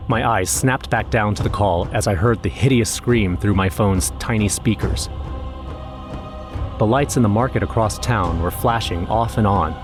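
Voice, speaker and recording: A man's voice: lowish voice, lightly acted. A man playing a grim, shaken eyewitness, narrating a scripted first-person horror audio drama. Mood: tense. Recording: music under the voice.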